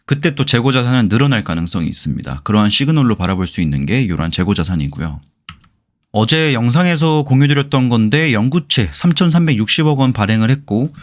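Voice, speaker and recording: A man giving explanatory commentary in an informal way, as the host of an investment channel. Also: medium pitch. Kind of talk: explanatory commentary on company earnings.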